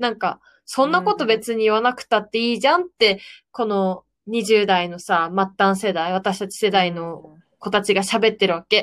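Recorded very cleanly against a silent background, a woman speaks at a moderate pace in an unremarkable speaking voice, medium in pitch with ordinary pitch variation and big swings in loudness. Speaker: podcast host. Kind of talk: casual chat.

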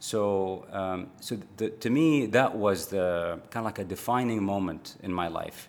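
In a very clean recording with a silent background, the speaker has an American accent. The pace is fairly slow, with hardly any pauses and ordinary pitch variation. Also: man, fairly low pitch for a man. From United States. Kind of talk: interview. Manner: halting, many fillers.

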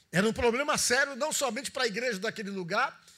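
A man's raised, projected voice carries a bright, sharp tone. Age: 60s. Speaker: pastor. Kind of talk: sermon.

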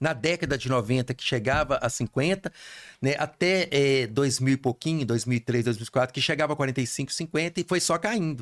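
A man speaks in a plain, everyday voice at a fairly slow pace, with a fairly high pitch. Ordinary pitch variation comes through a dry, close sound with no echo. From Belo Horizonte, Minas Gerais, Brazil. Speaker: TV screenwriter and novelist. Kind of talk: podcast interview. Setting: live-streamed studio podcast.

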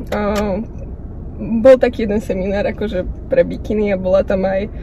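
A woman speaks at a medium pitch and a moderate pace. Noticeable background noise runs under her voice. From central Slovakia, Revúca. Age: 20s. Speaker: fitness athlete and student. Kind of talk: interview.

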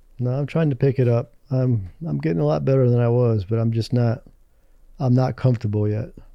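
A man's plain, everyday voice, medium pitch, lively intonation, and a fairly quick pace. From United States. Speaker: retired military, expat. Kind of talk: casual chat. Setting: studio.

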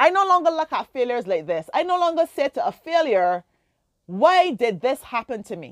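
The recording is dry and close with no echo as a woman speaks at a high pitch with very wide pitch swings. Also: moderate pace, big swings in loudness. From Barbados. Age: 30s. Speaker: finance coach. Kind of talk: motivational talk. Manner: emphatic, repetitive.

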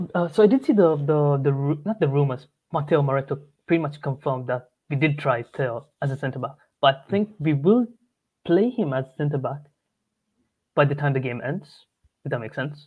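Somewhat breathy and fairly high-pitched, a man talks at a fairly quick pace with ordinary pitch variation and long, frequent pauses. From Bologna, Italy, Sri Lankan descent. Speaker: guest, Milan fan Twitter account owner. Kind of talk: casual chat.

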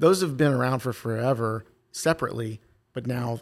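Rather briskly, a man with an unremarkable speaking voice talks at a mid-range pitch that moves in a normal way. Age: 50s. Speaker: museum exhibit art director. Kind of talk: interview conversation.

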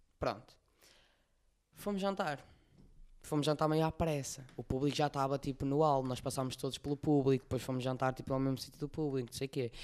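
Against a silent background on a very clean recording, a man with a fairly high voice speaks at a fairly quick pace with fairly even intonation and long, frequent pauses. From northern Portugal. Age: 20s. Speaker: comedian. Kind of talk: casual chat.

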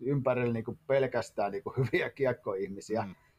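The man's pitch sits in the medium range and varies in an ordinary way. It is an ordinary speaking voice. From eastern Finland, Imatra. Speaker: ice hockey coach. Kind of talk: interview.

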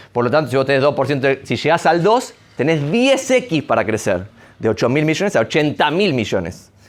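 The speaker talks at a fairly slow pace with vocal fry and very even loudness. Pitch swings very widely. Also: man, fairly high pitch for a man. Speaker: real estate entrepreneur. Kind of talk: talk to a live audience.

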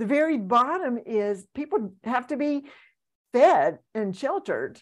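A woman with a Southern US accent, very slow in pace, with very wide pitch swings. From US South (Mississippi). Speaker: public speaker and author. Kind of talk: interview.

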